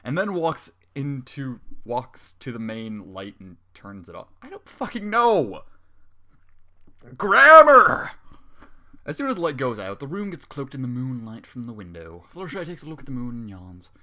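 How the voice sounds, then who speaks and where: Animated, bright-voiced man reading aloud. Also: medium pitch, moderate pace. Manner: exasperated, swearing outbursts between narration. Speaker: fanfiction reader. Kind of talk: dramatic story reading with comic reactions.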